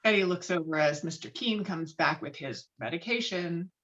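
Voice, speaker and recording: A woman's voice: fairly low pitch, moderate pace, a bit bright, lo-fi sound. A woman narrating screenplay stage directions with a dramatic, emphatic read on a video call.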